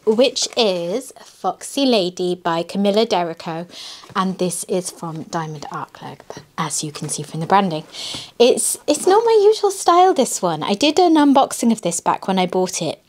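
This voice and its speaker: A middle-aged British woman with a slightly husky voice and a slight cough, chatting casually as she crafts. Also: mid-range voice, animated, moderate pace, a little mellow. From United Kingdom. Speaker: craft channel host. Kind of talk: casual chat while crafting. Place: indoors at a wooden table. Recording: clear background noise, handling crinkles. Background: crinkling and clicks of craft materials.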